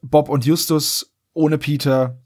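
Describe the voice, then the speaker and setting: A man's voice: fairly high pitch, fairly even intonation, takes it slowly, a little mellow. A man hosting a podcast, recapping a story in a casual, wry, joking way. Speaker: podcast host.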